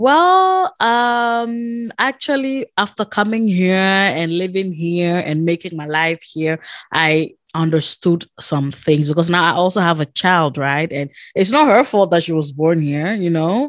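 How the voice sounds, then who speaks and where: A woman speaks at a fairly slow pace in an unremarkable speaking voice, her fairly low pitch carrying lively intonation over a quiet background, with a dry, close sound and no echo. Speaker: podcast host. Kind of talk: casual chat.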